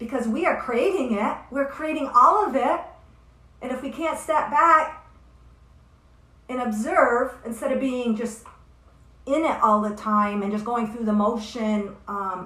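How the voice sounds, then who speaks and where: Loud and animated, a woman with a high voice speaks at a fairly slow pace with lively intonation and long, frequent pauses, and room echo is audible. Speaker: spiritual teacher. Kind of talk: casual chat.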